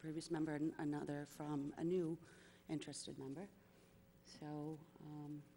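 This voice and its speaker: A woman's very deep, low voice, monotone and flat, at a moderate pace with long, frequent pauses and audible room echo. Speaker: board of health member. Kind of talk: public meeting. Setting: town hall meeting. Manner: loud.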